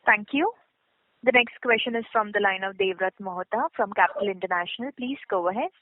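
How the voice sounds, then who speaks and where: A woman's voice: mid-range voice, fairly quick, no echo. A woman moderating a conference call as operator, in a formal, scripted style. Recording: muffled narrowband telephone line.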